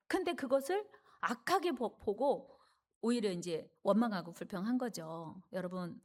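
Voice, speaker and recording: A woman pastor preaching a sermon in a church, telling a parable vividly and leading the congregation in reading. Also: on the high side. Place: church sanctuary.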